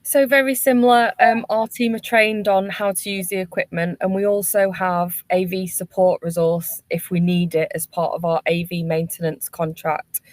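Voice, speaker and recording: Even-toned, businesslike woman. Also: lowish voice, normal speed, no room sound. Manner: fluent, businesslike. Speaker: workspace company representative, panellist. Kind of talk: corporate webinar answer.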